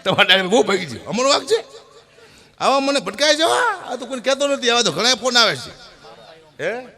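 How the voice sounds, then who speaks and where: A middle-aged man, an animated folk comedian telling stand-up jokes at a gathering and shouting his punchlines. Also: very high-pitched, a little fast.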